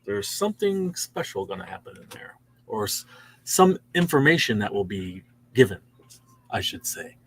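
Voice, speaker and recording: A man's voice: lowish voice, sing-song, normal speed, a little hiss or hum. Chatty man in his sixties. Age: 60s. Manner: chatty, easily impressed, lots of wows. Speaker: comic shop host. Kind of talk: casual show-and-tell of new comics. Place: comic book store.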